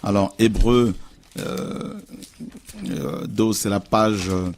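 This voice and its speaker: Male TV preacher, lower voice, earnest and repetitive delivery. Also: fairly even intonation, slow, gravelly, slight background noise. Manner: earnest, repeats phrases, many fillers. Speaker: Christian preacher hosting a TV show. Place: TV studio.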